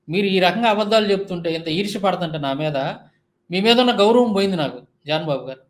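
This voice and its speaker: A man giving a heated monologue rebuttal, firing off indignant rhetorical questions. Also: high-pitched. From India. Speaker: Christian YouTube commentator.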